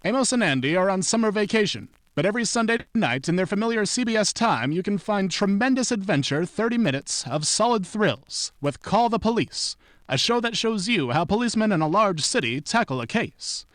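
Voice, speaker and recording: Casting: man as polished old-time network announcer, high-pitched and swooping, dry sound. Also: animated, fairly quick, a bit bright, dry recording. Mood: brisk, promotional. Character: polished, enthusiastic male 1940s network radio announcer. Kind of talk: 1940s radio announcing.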